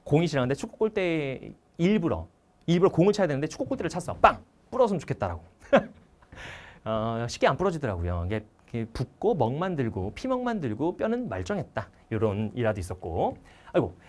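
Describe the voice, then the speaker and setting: A male history instructor telling anecdotes at a fast clip, and his pitch leaps around as he acts out the people in them. His voice sits a bit high for a man. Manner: animated, acts out dialogue. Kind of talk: anecdotal storytelling talk.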